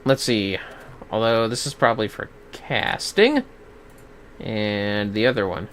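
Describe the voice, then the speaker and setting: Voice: mid-range voice, measured pace, a little hiss or hum. A game streamer giving casual livestream commentary, sweary and irreverent, often muttering to themself.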